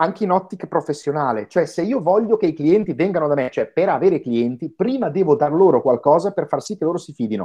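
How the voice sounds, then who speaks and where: A man's high-pitched voice at a fairly quick pace against a quiet background. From Ferrara, northern Italy; northern Italy. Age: 40s. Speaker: social media consultant; guest. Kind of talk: casual interview. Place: home room. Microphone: video call.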